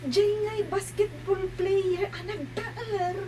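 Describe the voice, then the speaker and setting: A woman speaking in a slow, drawn-out way in an Ilocano audio drama. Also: very high voice, noisy background.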